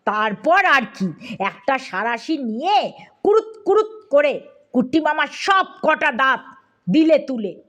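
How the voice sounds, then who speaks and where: A woman narrating a comic audiobook story in a lively, playful way, speaking to the listener. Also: high-pitched, a little slow.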